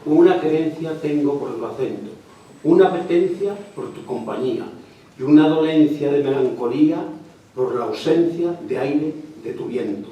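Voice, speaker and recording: A man's voice: a little high, moderate pace, mellow. Man reciting verse in an echoey hall. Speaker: poetry reader. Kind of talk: poetry recitation. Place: lecture hall. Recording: echoey hall, mic far off.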